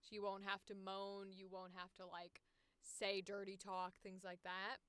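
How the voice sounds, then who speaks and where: A woman's voice: medium pitch, completely flat delivery, a little slow, a bit bright, clean tone, no echo. A woman hosting a casual livestream, thinking aloud as she looks through listings and reads bits out. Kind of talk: casual livestream chat, reviewing audition listings.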